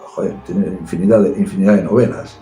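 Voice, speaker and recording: A man talks about literature as a guest, explaining ideas carefully and pausing on fillers. His voice is low and very dark in tone. The room is echoey, with faint music playing behind. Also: steady tone. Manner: measured, explanatory, with hesitations. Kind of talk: casual chat about books.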